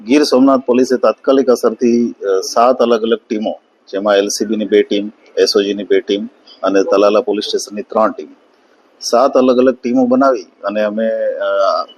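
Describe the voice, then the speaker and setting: A man giving a formal police statement, measured and hesitant between phrases. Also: mid-range voice, darkish tone, dull audio. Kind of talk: official press statement.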